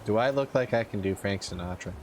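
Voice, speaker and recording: A man's voice: fairly low pitch, quick pace, a little mellow, a little hiss or hum, rough recording. A man streaming a game, rambling playfully and teasing himself as he plays. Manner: rambling, self-mocking, playful. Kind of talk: casual gameplay livestream chat.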